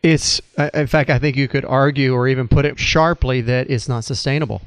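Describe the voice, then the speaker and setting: A man hosting an interview about retirement money, talking in a measured, thoughtful way with frequent restarts. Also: medium pitch, fairly even intonation, smooth, dry recording. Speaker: host. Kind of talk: conversational interview on retirement finance.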